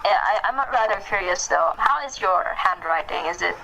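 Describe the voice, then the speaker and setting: A woman's voice: on the low side, expressive, normal speed, creaky, dull audio, background noise. A woman interviewing on a podcast in a casual, conversational way. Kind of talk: casual chat.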